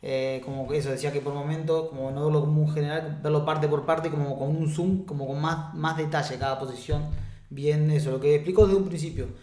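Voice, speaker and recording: Co-host guy talking fast, recapping stuff, kinda high voice, echoey room on a call. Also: fairly even intonation, warm tone. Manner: quick, summarizing the guest's points. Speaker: podcast co-host. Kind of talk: casual interview chat.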